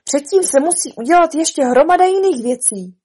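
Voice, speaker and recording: A fussy white rabbit herald announces and proclaims in a high, officious storybook voice. A woman performs him with a breathy, mellow tone. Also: expressive. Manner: shrill and officious.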